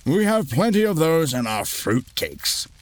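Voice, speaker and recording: Storybook king acted by a man: blustering, incredulous, generous, wildly varied pitch. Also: sing-song, unhurried, dry recording. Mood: scornful.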